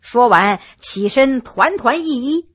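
A woman narrating a historical story in an expressive reading style. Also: fairly high pitch, takes it slowly, slightly rough, dull audio.

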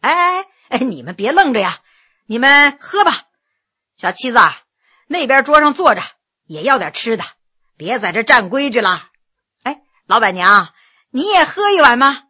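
A woman's voice: high-pitched, sing-song, moderate pace, pauses often, sharp tone, husky, heavily acted. A woman voicing a gracious, generous middle-aged nobleman who talks in an easygoing way with filler sounds. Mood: genial.

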